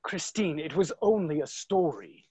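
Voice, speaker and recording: A man's voice: on the high side, very animated, moderate pace, dark tone, a little hiss or hum. A man in his thirties playing an earnest, jealous, skeptical young viscount in a dramatic play reading. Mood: disbelieving. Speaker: actor in a virtual staged reading. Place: indoor room, video call. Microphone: video call microphone.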